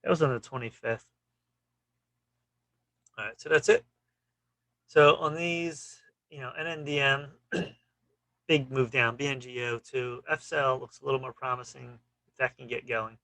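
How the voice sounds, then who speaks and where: A man runs through stock charts in quick fragments, with a steady "you know" between them. His voice has a gravelly fry and a bright, forceful edge. The sound is dry and close, with no room around it. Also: medium pitch, no echo, low-quality recording. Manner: clipped, fragmentary phrases with frequent "you know". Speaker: stock trading channel host. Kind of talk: casual chart commentary.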